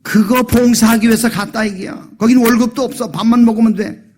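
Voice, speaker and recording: A man's voice: very high-pitched, fairly even intonation, brisk, a little mellow. A man pastor preaching a sermon in a church, telling a story and acting out the quotes, then rising to emphatic appeals. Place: church sanctuary.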